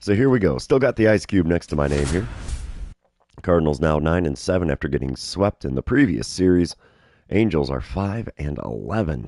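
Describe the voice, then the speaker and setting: A man's very deep, dark, mellow voice with vocal fry and very wide pitch swings. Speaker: gaming streamer. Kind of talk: live gameplay commentary. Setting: live stream.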